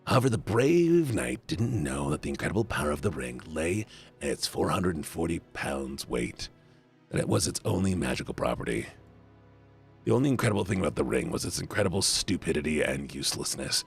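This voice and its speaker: A man voicing a smug, theatrical male villain lord who tells his tale in a low, slow, dry drawl. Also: big pitch swings, vocal fry, slightly rough, faint music behind, heavily acted.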